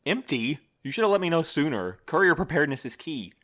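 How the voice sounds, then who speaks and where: A man's voice: fairly high pitch, sing-song, quick pace, fairly bright tone. A man playing a prim, reserved, rule-minded boss in an audio drama, speaking formally and with pedantic precision.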